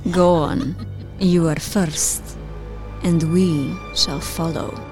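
A seductive vampire in a gothic audio drama, commanding and coaxing. The voice sits slightly low and moves extremely slowly, over clearly audible music. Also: female voice, fairly even intonation. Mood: eager, coaxing. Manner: very drawn-out, sultry delivery. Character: commanding, seductive female vampire urging on her sister.

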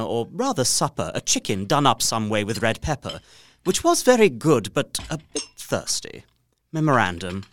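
A man plays a proper young English solicitor narrating his diary for an audio drama. He is precise and earnest, with lively, varied intonation in a dry, close recording. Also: mid-range voice, no echo. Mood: bemused. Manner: expressive, precise, faintly bemused.

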